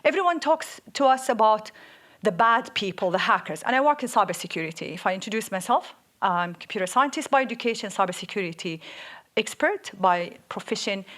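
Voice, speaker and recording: A woman's voice: mid-range voice, fairly quick. Outspoken woman with an Arabic accent. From Saudi Arabia. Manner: energetic, outspoken, laughs often. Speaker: podcast co-host. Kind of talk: live podcast panel talk. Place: on stage at a live event.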